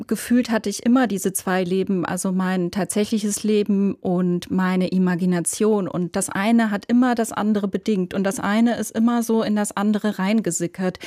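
A woman's voice: mid-range voice, dark tone, no room sound, studio quality. A woman in her late thirties from Switzerland, a novelist answering interview questions thoughtfully, often affirming with small murmurs. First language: Swiss German. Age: 30s. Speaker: novelist guest. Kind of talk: radio interview.

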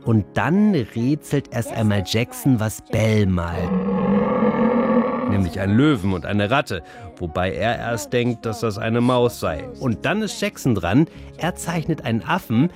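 A man's voice: lowish voice, expressive, unhurried, loud music behind the voice. A man hosting and narrating a children's program, explaining things in simple, friendly words for a young audience.

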